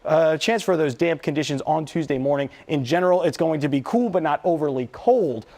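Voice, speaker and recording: A man's voice: fairly high pitch, a little fast, creaky, a little mellow. An American man presenting a live weather forecast as a TV meteorologist, talking in a conversational, explanatory way.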